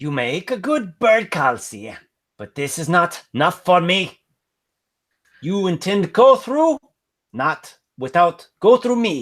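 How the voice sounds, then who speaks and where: Using a gruff, put-on character voice, a man speaks at a fairly slow pace and high pitch, with very wide pitch swings and long, frequent pauses. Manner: challenging.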